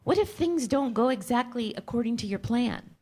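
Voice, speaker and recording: A woman's voice: on the high side, expressive, normal speed, a little mellow. A woman playing a skeptical, sardonic, reluctant accomplice in a staged comedy reading, often questioning. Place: live staged reading in a church.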